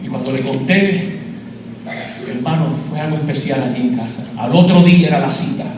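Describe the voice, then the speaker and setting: Speaking at a normal pace in a mid-range voice, a man from Puerto Rico gives an impassioned testimony sermon and refers to his audience as brother. Noise, a distant mic, and hall echo mark the recording.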